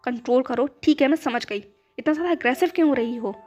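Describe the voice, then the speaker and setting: A woman voicing a gentle, practical young woman who protests earnestly, in a storybook reading. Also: sits high, fast, lightly acted. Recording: dull lo-fi with background music.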